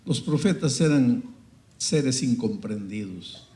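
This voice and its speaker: A man's voice: medium pitch, expressive, takes it slowly. Dramatic preaching man in an echoing hall. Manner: dramatic preaching, swinging from loud peaks to hushed storytelling. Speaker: pastor. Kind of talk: sermon.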